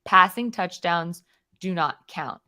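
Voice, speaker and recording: Bright-voiced woman reading game rules. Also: lowish voice, takes it slowly. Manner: reads game prompts aloud, auctioneer calls. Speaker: podcast game presenter. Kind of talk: casual podcast banter.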